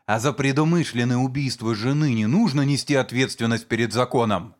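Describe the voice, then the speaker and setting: A man voicing a vengeful man who sneers at and shouts accusations against his brother-in-law. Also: medium pitch, fairly quick, lightly acted. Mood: sneering accusation.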